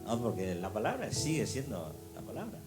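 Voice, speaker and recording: An older man leads a casual Christian discussion, speaking slowly and reflectively with many hesitant pauses. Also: mid-range voice, huge pitch swings. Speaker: discussion leader. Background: guitar music.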